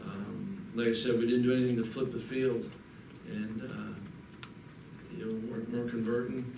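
A middle-aged man, a head coach at a postgame press conference, talking haltingly with many restarts into a desk mic. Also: mid-range voice, little pitch movement, vocal fry. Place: press room in front of a backdrop. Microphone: table mic on a desk. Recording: echoey room, mic a bit far, audible noise.

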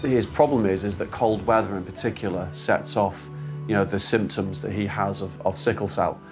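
Measured teacher in an office. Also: male voice, on the low side, steady tone, over music. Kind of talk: documentary interview. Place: office indoors.

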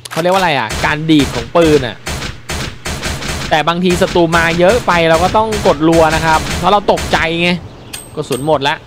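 A young man talks through a mobile game in a chatty, excitable way, his voice sitting a little higher than most men's. Game music plays clearly under his voice. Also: brisk. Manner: chatty and excitable, with sudden startled shouts. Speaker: mobile game channel host. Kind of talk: casual gameplay commentary.

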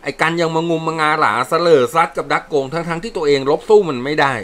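A man's voice: fairly high pitch, fast talker, a bit bright, voice pushed up, close to an everyday voice. A man voicing a blunt male sergeant briefing his squad in plain, coarse words. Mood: explaining. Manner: blunt, matter-of-fact, coarse. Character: gruff male sergeant, blunt team leader.

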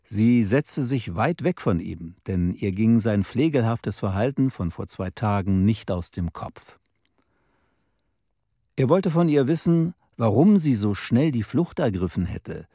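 A man reading a humorous story aloud as an audiobook, animated and expressive. His voice is mellow and dark, and it rises and falls a lot in pitch. The studio recording is close and dry. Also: measured pace, husky, no echo. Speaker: narrator.

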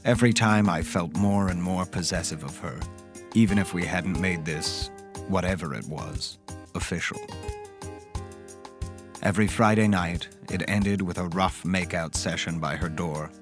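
Low-pitched male actor as lovestruck gentleman telling his own gothic horror tale, music underneath. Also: a little slow. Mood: wistful, sensual. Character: smitten gentlemanly man recounting a dark horror romance. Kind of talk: dramatic first-person audio drama narration.

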